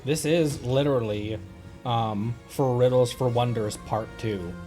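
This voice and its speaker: A man with a medium-pitched voice talks a little slowly while livestreaming a video game. Soft game music plays behind him as he chats casually and rambles, thinking aloud.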